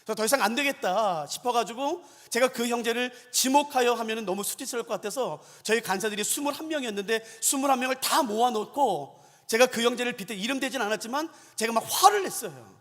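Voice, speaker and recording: A middle-aged male pastor with a very high voice preaching in a church, his delivery swinging widely up and down. He tells stories and keeps asking the congregation questions. A long church-hall reverb trails every phrase. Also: expressive, quick pace, a bit bright. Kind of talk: sermon. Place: church sanctuary.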